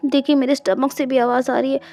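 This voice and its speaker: A woman voicing a shy, tender young man in an audiobook, speaking softly with hesitant restarts. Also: sits high, flat delivery, quick pace. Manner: soft-spoken, hesitant restarts.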